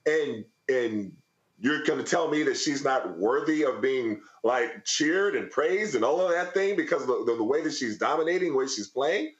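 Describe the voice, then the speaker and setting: A man as a panel guest, talking conversationally and arguing his point in a lively way. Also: mid-range voice, moderate pace. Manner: conversational, laughs easily, lively argument. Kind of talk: casual discussion. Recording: echoey lo-fi remote audio.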